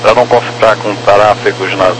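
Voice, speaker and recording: A man's voice: on the low side, steady tone, moderate pace. Brazilian guy doing tower calls, clipped phrasing, crackly military radio sound, bit of hum. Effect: crackly military-style radio. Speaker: air traffic controller. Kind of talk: air traffic radio communication. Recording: humming, noisy aviation radio.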